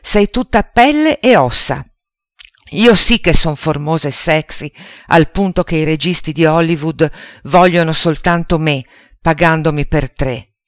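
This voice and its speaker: A man voicing a vain, plump old aunt in a storybook reading, loud and boastful. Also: fairly high pitch, fairly even intonation, normal speed, clean tone, no room sound, studio quality, close to an everyday voice. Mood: vain boasting. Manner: boastful and shouting.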